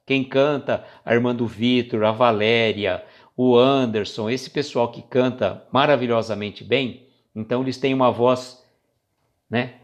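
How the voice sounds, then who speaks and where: Brazilian guy hosting a live, casual and chatty, medium pitched voice, talks right to the viewers. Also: steady tone, unhurried, dull audio. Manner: informal, chatty, addresses viewers by name. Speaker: host of a spiritist livestream. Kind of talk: casual livestream chat.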